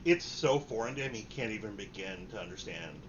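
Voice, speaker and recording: A man working as game master, narrating and chatting informally in a halting, improvised way. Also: on the low side, animated. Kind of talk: improvised tabletop game narration and casual chat. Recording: muffled room recording with clear noise.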